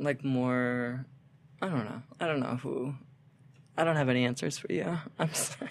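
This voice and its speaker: Talking at a moderate pace with long, frequent pauses, a woman with an American accent has a very deep, low pitch and ordinary pitch variation. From rural Wisconsin. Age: 20s. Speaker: comedian. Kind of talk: casual chat.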